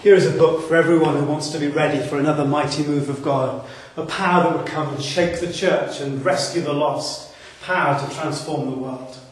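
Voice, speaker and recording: A Welsh pastor from South Wales speaks earnestly and asks rhetorical questions as he introduces a sermon series. His voice sits a little high for a man. He was recorded in a large empty church with a long, roomy echo. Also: fairly even intonation, brisk, distant mic, a little hiss or hum. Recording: echoey church hall.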